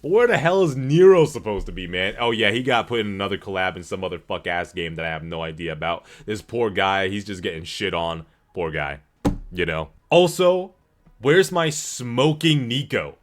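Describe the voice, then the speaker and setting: A man's voice: fairly low pitch, animated, moderate pace, slight background noise. A man hosting a casual gaming livestream, reading and answering chat in a rambling, slangy, profane and emphatic way. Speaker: livestream host. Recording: music playing behind the voice. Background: background music.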